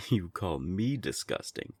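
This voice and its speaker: A man's voice: deep voice, sing-song, slow, darkish tone, husky, no room sound, heavily acted. A man voicing a smug, taunting non-binary vampire envoy with formal phrasing in a scripted audio drama.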